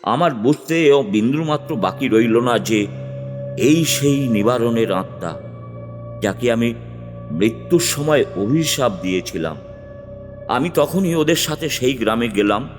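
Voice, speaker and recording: A man narrates a village horror tale as the guru at its center, building tension as he tells it. His voice sits at a middle pitch. Music plays clearly underneath. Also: expressive, measured pace. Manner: dramatic storytelling.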